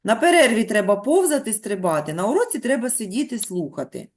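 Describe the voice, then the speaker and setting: A middle-aged woman teaching young schoolchildren, her pitch rising and falling lively as she explains. She stretches words out patiently and speaks clearly. She sounds like a teacher in a classroom. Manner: patient, drawn-out dictation to young children. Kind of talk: classroom lesson.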